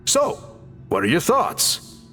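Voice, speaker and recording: Lively, courteous tribal scholar. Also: male voice, sits high, slow pace, heavily acted. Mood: encouraging. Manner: formal, articulate, explanatory. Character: learned male tribal scholar, courteous and methodical. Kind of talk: anime-style game voice acting, expository dialogue. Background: game music.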